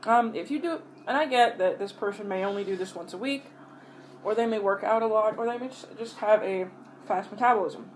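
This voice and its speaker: A woman vlogger rambling casually to her viewers while she eats, pausing to chew between bites, with blunt, sweary talk. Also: mid-range voice, slight background noise, poor audio. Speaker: mukbang vlogger.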